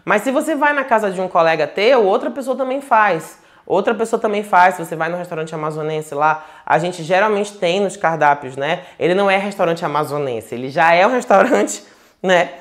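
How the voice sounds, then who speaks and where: A man's voice: high voice, lively intonation, fairly quick, a bit bright. Man with a Manaus accent, tarot teacher, casual home lecture, chatty, digressive, tag questions. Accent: Manaus Portuguese. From Manaus, Brazil. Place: home, indoors.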